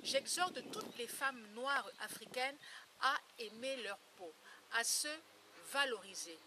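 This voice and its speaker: Woman in her 50s, fairly high voice, earnest and emphatic, informal vlog talk, picked up from a distance. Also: takes it slowly, a crowd in the background. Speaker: beauty blogger and campaigner against skin lightening. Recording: distant mic, clear background noise.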